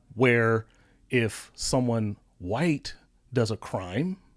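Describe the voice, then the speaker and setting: A man speaks with an American accent and lively intonation. The very clean recording has a silent background and a dry, close sound with no echo. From North Las Vegas, Nevada. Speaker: outpatient operations manager at a treatment center. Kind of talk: interview answer. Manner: soft-spoken.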